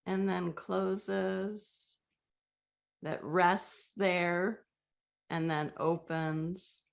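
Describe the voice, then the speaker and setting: Slow, gravelly-voiced woman guiding meditation. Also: on the low side. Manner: slow, soft, gently inviting with long pauses. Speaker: meditation guide. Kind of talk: guided meditation.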